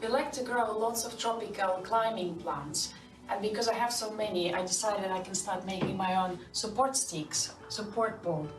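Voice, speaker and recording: Recorded from afar in an echoey room with music faintly playing, a woman from Estonia earnestly shows off her indoor garden at home among her plants. She speaks in a medium pitch with slightly non-native phrasing.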